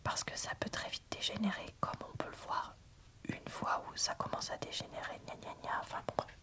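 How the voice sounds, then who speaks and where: A woman whispers in a breathy, unvoiced ASMR style, speaking informally and frankly as she reads and reviews books. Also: normal speed. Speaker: book reviewer.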